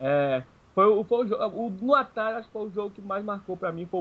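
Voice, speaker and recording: A man talks at a fairly quick pace. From Sergipe, Brazil. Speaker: retro gaming community member. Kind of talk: casual chat.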